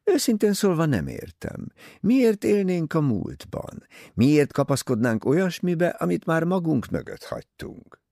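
A man's voice: a little high, huge pitch swings, gravelly, warm tone, dry recording, clean studio sound, pitched above the performer's own voice, exaggerated voice. A man voicing a prim, disapproving older English mother in an audiobook, scolding and easily offended.

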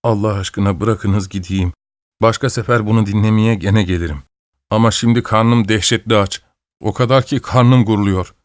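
A man's voice: lowish voice, fairly even intonation, normal speed, dry recording, studio quality, close to an everyday voice. A man voicing a meek, sorrowful drunken bearded man who answers plaintively. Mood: pleading.

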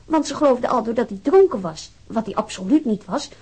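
A woman's voice: a little high, lively intonation, brisk, darkish tone, slightly rough. An actress playing a worried, earnest wife who reads out a complaint letter on her husband's behalf. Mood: earnest, concerned. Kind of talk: dramatized reading of a complaint letter.

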